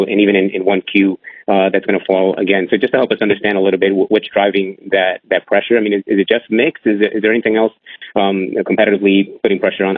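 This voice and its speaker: A man with a lowish voice speaks over a narrow phone line. He puts questions as a financial analyst, politely and haltingly, restarting his phrases while keeping up a quick pace. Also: dry recording. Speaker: analyst asking questions on an earnings call. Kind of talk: spontaneous business questioning.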